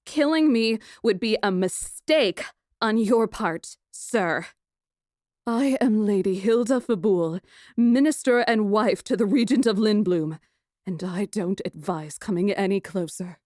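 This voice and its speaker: A woman's voice: mid-range voice, unhurried, darkish tone, dry recording, close to an everyday voice. A haughty, passionate princess , acted by a woman narrating a story. She is defiant and emotional, with a theatrical edge. The recording is tight and dry. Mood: imperious, defiant. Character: proud, defiant young princess, imperious and hot-tempered. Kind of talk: audiobook character acting.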